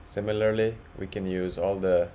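A man presenting a casual software walkthrough, explaining step by step in a halting way. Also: low voice, fairly even intonation. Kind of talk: casual screen-share walkthrough. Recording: clearly audible background noise.

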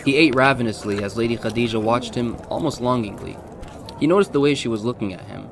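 A man narrating a historical audio drama in a measured, scripted way. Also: mid-range voice, creaky, background noise.

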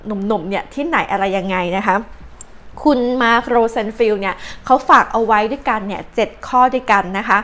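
A woman's voice: medium pitch, fairly quick, fairly bright tone. A young Thai woman hosting her own advice vlog, chatting casually with many fillers and polite particles. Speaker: channel host, astrology and advice vlogger. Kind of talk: casual chatty explainer, translating tips.

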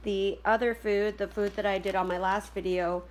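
A woman's voice: mid-range voice, flat delivery, a little hiss or hum, low-quality recording. A middle-aged woman from Canada in a casual camping vlog, chatting with many ums as she lists her gear, filmed on a nearby camera at home. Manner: chatty, many ums and uhs, listing items quickly. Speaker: camping vlogger. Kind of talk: casual show-and-tell vlog. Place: home room with wooden floor, indoors.

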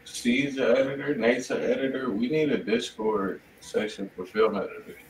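A man's voice: medium pitch, normal speed. A man hosting a music review stream in casual chat, slangy and profane. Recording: roomy, distant mic, faint noise.

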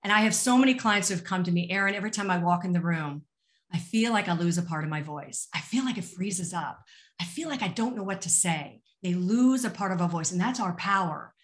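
A middle-aged career coach with a lowish, animated voice speaks fairly quickly in an online webinar from a small indoor room. Conversational and encouraging, she addresses listeners directly and poses rhetorical questions, heard through a video call.

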